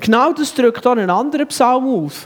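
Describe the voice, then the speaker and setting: Warm tone with very wide pitch swings. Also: man. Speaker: preacher. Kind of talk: sermon at a confirmation-class graduation, addressing a young man directly. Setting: church. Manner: earnest, warm, encouraging, conversational with light humor; fairly even, didactic pace, explaining biblical images and repeating key points.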